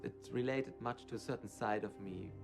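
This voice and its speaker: A man, a clown performer, talking slowly and earnestly about his craft in a documentary interview. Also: medium pitch, gravelly. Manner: slow, reflective, earnest. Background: soft background music.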